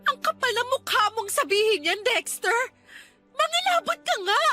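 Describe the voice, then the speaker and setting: A hurt, indignant college girlfriend in a radio drama. Her voice is very high and bright, and she confronts with raw emotion. Music plays behind her. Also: very animated, moderate pace, full character voice. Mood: angry, distressed. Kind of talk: Tagalog radio drama acting.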